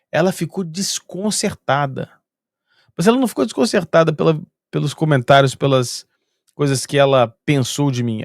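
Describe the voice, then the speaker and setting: Middle-aged Brazilian professor, chatty storyteller, gravelly tone, dry recording. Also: male voice, a little high, dry recording. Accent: Brazilian Portuguese. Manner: chatty, with a frequent "né". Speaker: university professor, vlogger. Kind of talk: casual storytelling monologue.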